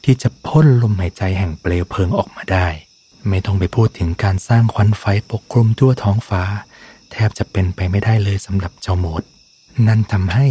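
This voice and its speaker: Breathy low-voiced male storyteller. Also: dark tone. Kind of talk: soft ASMR bedtime story narration.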